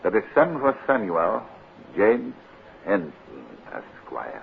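An actor playing an unruffled, evasive gentleman detective and teasing husband, dryly ironic, in a 1950s Dutch radio drama. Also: lowish voice, very animated, slow, creaky, full character voice. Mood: relaxed, teasing. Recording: muffled, noisy 1950s radio recording.

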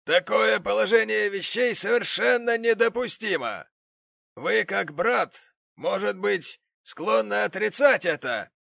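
Pompous wealthy father in an audiobook, voiced by a male reader: lofty, indignant, slow, dry close sound. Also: high-pitched, expressive, vocal fry, fairly bright tone, no room sound, pitched above the performer's own voice, exaggerated voice. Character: pompous rich middle-aged father, a brass founder. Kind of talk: audiobook character reading.

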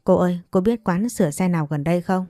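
A woman's voice: lowish voice, fast, warm tone, dry recording, natural voice. A woman reading the part of a clumsy young man who stammers apologies. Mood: apologetic.

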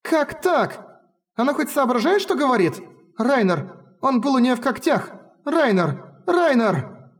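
A man playing a shrill frantic young lieutenant girl. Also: very animated, measured pace, heavily acted. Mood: distraught.

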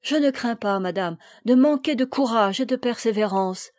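Woman voicing a devoted seven-year-old boy, high-pitched, pleading, sobbing, storybook, dry close sound. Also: moderate pace, a little mellow, no room sound, close to an everyday voice.

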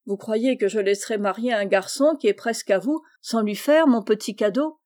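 A hearty, generous older farmer, read by a woman in a storybook, jovial and quick to exclaim. The voice sits fairly high and sounds mellow. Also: lightly acted.

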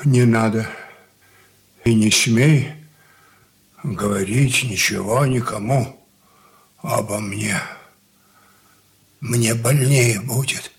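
An actor playing an aging stern merchant father in a radio drama, talking in a slow, heavy, brooding way. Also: medium pitch. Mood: despairing. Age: older. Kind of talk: 1980s studio radio drama acting.

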